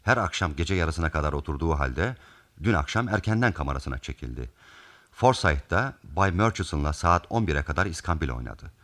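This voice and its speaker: An actor playing a calm, methodical detective who explains a case deliberately in a radio theatre mystery. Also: male voice, extremely low pitch. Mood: grave, reasoning.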